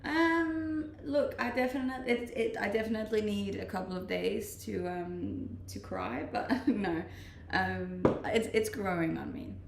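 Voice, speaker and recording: A woman from Denmark in her twenties speaks unhurriedly with few pauses, her medium-pitched voice carrying vocal fry. She chats casually on a live stream, reading comments, laughing often and restarting sentences. She's far from the mic, with roomy echo and faint noise.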